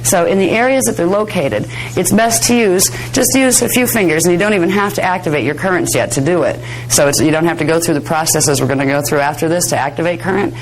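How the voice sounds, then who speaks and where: Female workshop instructor, lowish pitch, a little hoarse, conversational delivery, faint noise in the recording. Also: fast talker, few pauses, poor audio. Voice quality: slightly hoarse, raspy. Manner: conversational, chatty, self-deprecating asides. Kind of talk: informal workshop lecture with demonstration. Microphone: worn or held microphone close to the face.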